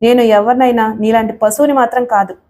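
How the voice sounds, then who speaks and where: A woman's voice: fairly high pitch, fairly even intonation, fairly quick, darkish tone, natural voice. A woman voicing a brave, righteous young male hero in an audio story, speaking in a firm, scolding way. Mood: stern.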